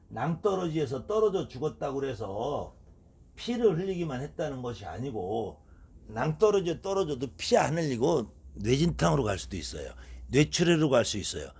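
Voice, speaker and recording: A middle-aged man, a shaman, lecturing in a husky voice and firing off rhetorical questions. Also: mid-range voice, darkish tone.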